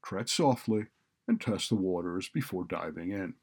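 A man's voice: low-pitched, animated, moderate pace, slightly rough, full character voice. A man voicing a cynical, bullying college administrator who talks in a blunt, sardonic, browbeating way. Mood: cynical, breezy.

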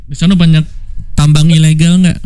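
Host: man, mellow and a bit high, playful teasing questions, faint music underneath. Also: little pitch movement, moderate pace, clean tone, no room sound. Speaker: interviewer. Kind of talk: casual remote interview chat.

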